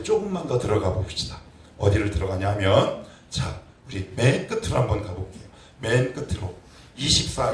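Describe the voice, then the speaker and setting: A pastor in his forties, with a mid-range voice, preaches a conversational sermon full of rhetorical questions to his congregation in a church sanctuary. A distant mic picks up the echoey church along with slight background noise.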